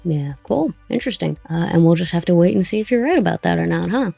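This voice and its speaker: Very creaky-voiced interviewer. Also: mid-range voice, animated, quick pace, mellow, dry recording, faint music behind. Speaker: host, writer of an audio drama. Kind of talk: conversational interview.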